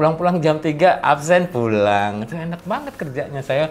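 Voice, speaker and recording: Fairly high-pitched male speech at a moderate pace, with ordinary pitch variation and light background noise. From Medan, North Sumatra, Indonesia. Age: 50s. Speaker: media founder and journalist. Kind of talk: casual interview chat. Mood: animated, storytelling. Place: studio. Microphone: lapel.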